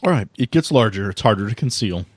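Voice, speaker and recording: A man's voice: lowish voice, animated, fast talker, a little hiss or hum. A man narrating casually as game master, improvising in an informal, sweary way with hesitant phrasing. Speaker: game master of a tabletop RPG podcast.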